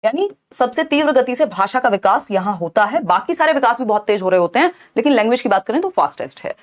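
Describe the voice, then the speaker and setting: Young woman teacher, high voice, explanatory lecture style with frequent check-ins. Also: animated, quick pace. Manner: explanatory, checks in with students often. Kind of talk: exam-prep lecture.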